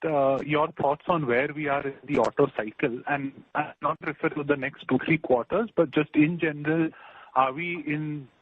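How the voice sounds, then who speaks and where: Tinny phone voice of male analyst. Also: on the high side. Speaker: analyst asking questions. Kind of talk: polite conference call questioning. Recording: tinny phone line with faint noise.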